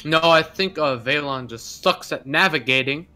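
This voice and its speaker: A man's voice: fairly high pitch, moderate pace, pushed and bright, faint music behind. A man playing a tabletop roleplay game, talking in a casual, conversational style. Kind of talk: casual chat.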